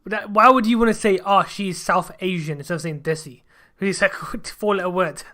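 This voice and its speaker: A man talks at a rapid clip in a relaxed podcast chat. He leans on slang and keeps pressing his point without pausing. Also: sits high. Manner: fast, insistent, slangy, says "bro" and "innit". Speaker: podcast host. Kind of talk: casual chat.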